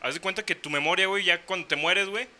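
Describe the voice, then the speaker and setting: Mexican guy, super bright sharp voice, slangy eager chat. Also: sits high, quick pace. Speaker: podcast co-host. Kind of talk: casual podcast chat.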